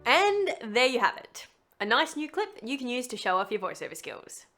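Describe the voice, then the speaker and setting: A woman hosting a voice-over tutorial, explaining things to viewers in a chatty, expressive, emphatic way. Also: fairly high pitch, normal speed, over music.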